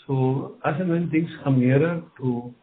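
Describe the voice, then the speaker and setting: A man's voice: mid-range voice, measured pace. Indian guy exec answering investor questions, rephrases himself a lot, thin phone sound with noise behind. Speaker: company executive answering investors. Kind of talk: unscripted conference call answers. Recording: narrow phone line, clear background noise.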